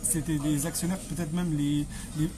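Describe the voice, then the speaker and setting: A man's voice: a little high, level tone, normal speed, rough recording. A man, an interview guest explaining history conversationally, often repeating and rephrasing his phrases.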